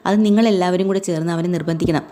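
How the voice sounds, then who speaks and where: A woman's voice: fairly low pitch, fairly even intonation, very fast, warm tone, lightly acted. A woman voicing an easygoing middle-aged brother-in-law who argues matter-of-factly in a retold serial scene.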